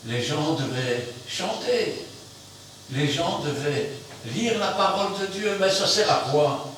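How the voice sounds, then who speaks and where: A man preaching an emphatic sermon, swinging between loud outbursts and quiet asides. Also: a little high, lively intonation, slow pace. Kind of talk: fiery sermon. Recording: very echoey room, mic far off, faint noise.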